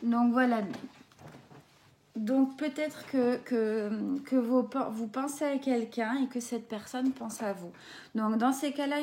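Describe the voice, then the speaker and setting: French woman, oracle reader, mellow and a bit high, gentle and halting. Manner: gentle, hesitant, many fillers. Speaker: tarot and oracle card reader. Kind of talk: reading oracle card texts and commenting.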